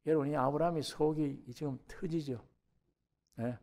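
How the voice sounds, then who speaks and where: A man preaching a sermon in a church, animated, who acts out biblical characters in dialogue and rises sharply in pitch and volume when stirred. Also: moderate pace. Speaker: pastor. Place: church sanctuary.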